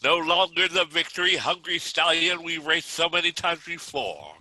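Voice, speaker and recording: A man's voice: fairly high pitch, animated, normal speed, pushed and bright, no echo, heavily acted, low-quality recording. A man acting a pompous, theatrical sports commentator who gives grandiose mock commentary in a comic script read. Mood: pompous, mock-solemn.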